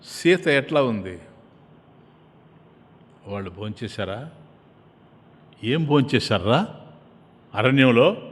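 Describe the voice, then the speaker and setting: A man's voice: mid-range voice, expressive, slow pace, long pauses, a little hiss or hum. Grieving mother queen, pleading questions, put on by a male preacher; long hall reverb. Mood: anxious.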